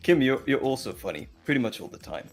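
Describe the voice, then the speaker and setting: A man's voice: mid-range voice, very animated, quick pace, soft background music. A man from Belgium with a Flemish accent, a Dutch speaker, chatting casually and self-deprecatingly as a cast guest. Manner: self-deprecating, apologetic, joking. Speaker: voice actor guest. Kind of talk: casual chat.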